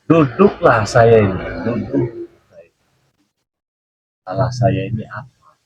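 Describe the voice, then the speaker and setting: A man's voice: lowish voice, expressive, very slow, noisy background. A man hosting a live stream, telling a rambling story with frequent chuckles and questioning a child. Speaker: channel host.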